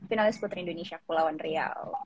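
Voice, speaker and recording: A woman's voice: low-pitched, fast talker, slight background noise. A woman of twenty, a pageant finalist, answering interview questions politely and referring to herself by name over a video call. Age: 20s.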